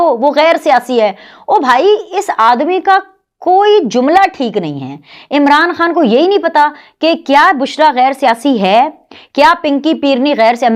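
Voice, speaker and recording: A woman in her thirties with a Pakistani Urdu accent, hosting her own show and delivering a heated, mocking political monologue. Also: a little high. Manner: scornful, mocking, animated. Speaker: political commentary show host.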